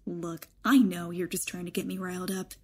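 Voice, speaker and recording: Defiant young-bodied old soul, bit husky, sardonic and blunt, audio drama. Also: female voice, on the low side, fairly even intonation, normal speed. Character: defiant rejuvenated elderly woman in a young body.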